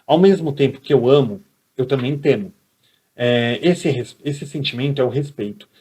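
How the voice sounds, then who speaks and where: Brazilian male teacher, mellow voice. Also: medium pitch, normal speed, breathy edge. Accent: Brazilian Portuguese. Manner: conversational, often adds "né?" and "tá?". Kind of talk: recorded education lecture.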